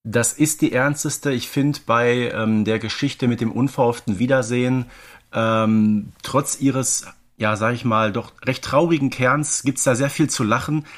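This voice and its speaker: A man's voice: medium pitch, steady tone, measured pace. A man of about forty co-hosting a podcast, talking in a conversational, analytical way. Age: around 40. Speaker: podcast co-host.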